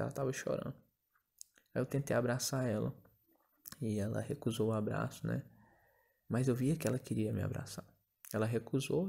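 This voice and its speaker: A Brazilian man in his thirties tells a personal testimony in a casual, halting way, often repeating words. His voice is strongly gravelly and dark, with a mellow, relaxed tone. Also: mid-range voice. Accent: Brazilian Portuguese. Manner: hesitant, repeats words, frequent "né?". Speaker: testimony giver.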